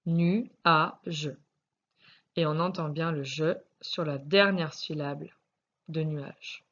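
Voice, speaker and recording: Patient French-accented woman teacher, slow and careful, recorded lesson with dull, muffled sound. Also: low voice, fairly even intonation. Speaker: primary school teacher. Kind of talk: recorded spelling lesson correction.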